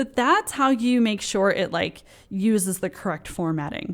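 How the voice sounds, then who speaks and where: A woman with a plain, everyday voice speaks at a fairly quick pace with lively intonation on a very clean recording with a silent background. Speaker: presentation skills trainer. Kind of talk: tutorial. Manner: casual, many fillers.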